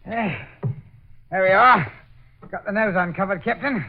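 A chirpy army corporal. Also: male voice, high voice, lively intonation, unhurried, exaggerated voice. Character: cheerful Cockney army corporal, bomb squad. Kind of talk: 1940s radio acting. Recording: lo-fi old radio recording.

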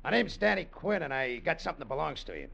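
An actor playing a brash, fast-talking gambler who narrates and pushes his way onto a treasure hunt, in 1940s radio acting, on a dull old broadcast recording with music behind. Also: on the high side, sing-song, creaky, a bit bright, exaggerated voice. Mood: pushy. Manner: fast-talking, cocky, pushy. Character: brash gambler turned sailor, tough streetwise man. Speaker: narrator and lead.

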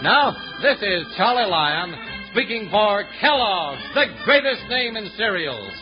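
A man's voice: high voice, very animated, a little slow. A man announcing in an old-time radio style, reading sponsor copy and credits with polished emphasis. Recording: muffled old radio recording with music. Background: loud music.

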